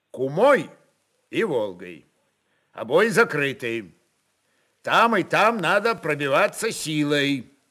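A man voicing a serious, level-headed Cossack captain who reasons with a crowd in a deliberate, commanding way. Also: a little high, fairly bright tone, voice pushed up, full character voice. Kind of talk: dramatic audiobook-style character reading.

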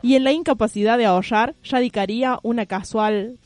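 A woman's voice: on the high side, a little fast, a little mellow, no room sound. Woman, Argentine accent radio co-host, satirical news read, giggly and mocking, dry close sound. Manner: mocking, reads news aloud with frequent laughter.

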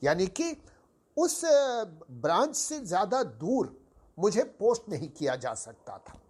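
With a hoarse, sore throat, this older podcast host from Uttar Pradesh, India, reminisces slowly through a story. His voice is high, sing-song and a little mellow, and he stays formal and polite, addressing listeners as sahib.

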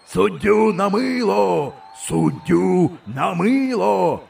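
A man reading an audiobook, voicing an excited old village man who shouts at a football match. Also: mid-range voice, moderate pace, gravelly, slightly rough. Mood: yelling excitedly. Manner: shouting, urging players on.

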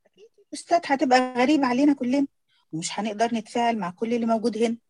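A woman's voice: a little high, racing, darkish tone, no room sound, natural voice. A woman with an Egyptian Arabic accent, playing a reassuring woman who runs a discussion group. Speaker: actor rehearsing a play.

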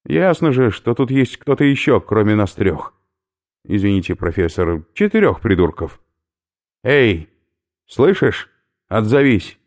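A man voicing a brash, rough young male skinhead who talks loudly and bluntly in slang. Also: mid-range voice, big pitch swings, slow pace, voice pushed up. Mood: shouting. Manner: loud, blunt, slangy, impatient.

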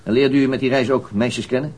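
A man's voice: mid-range voice, fairly even intonation, fairly quick, a little mellow, a little hiss or hum, close to an everyday voice. An actor playing a stern, methodical male police interrogator in a radio crime drama, with clipped, formal and insistent questioning. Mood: businesslike.

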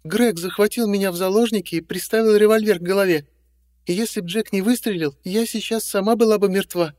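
A man voicing a brave, stubborn young woman in an audiobook, with high, insistent protests. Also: brisk, darkish tone, long reverb tail, natural voice. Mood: indignant. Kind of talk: audiobook reading.

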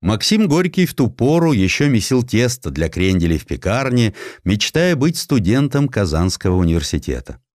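A man narrating an audiobook of historical sketches in an expressive, theatrical, ironic manner. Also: fairly low pitch, normal speed, few pauses, no echo, clean studio sound.

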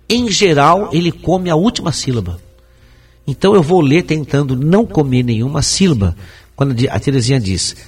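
A man hosting a radio discussion, explaining in a measured way and sometimes reading aloud with careful articulation. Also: fairly high pitch, husky. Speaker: program host.

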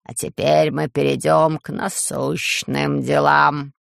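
A man voicing a sly, soft-spoken male tyrant ruler in an audiobook, speaking slowly in a hushed, purring way. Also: fairly high pitch, little pitch movement, creaky, dry recording, studio quality, heavily acted. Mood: silky menace. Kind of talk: audiobook character voice.

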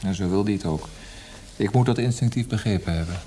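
Actor as a mellow, low-voiced reflective poet. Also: male voice, brisk, faint music behind, natural voice. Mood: guarded, thoughtful. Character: disillusioned Austrian poet, thoughtful and wry husband. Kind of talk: naturalistic radio drama dialogue.

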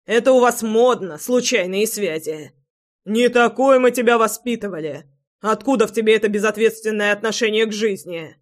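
A woman's voice: medium pitch, normal speed, close to an everyday voice. A woman doing a stern, interrogating father. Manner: stern, demanding.

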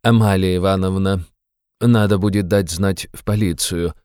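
A man's voice: sits low, steady tone, moderate pace, darkish tone, smooth, no echo, clean studio sound, close to an everyday voice. A man voicing a pompous, fussy middle-aged official who adds old-fashioned deferential endings to his words. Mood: pompous reproach.

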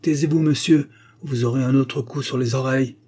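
A man lifts his voice to play a quick-witted young gypsy woman in an audiobook. She is firm and sharp-tongued. The tone stays mellow and a little husky. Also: medium pitch, animated, pitched above the performer's own voice.

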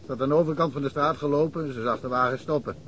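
An actor playing a chatty rural police chief in a radio play, rambling through anecdotes. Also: male voice, mid-range voice, rapid-fire, a bit bright, close to an everyday voice. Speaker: village policeman. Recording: old radio play with faint hiss.

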